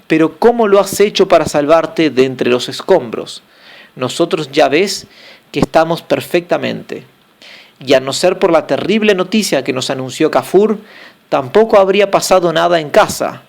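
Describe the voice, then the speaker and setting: A man's voice: on the high side, lively intonation, normal speed, vocal fry. A man reading an earnest merchant's wife.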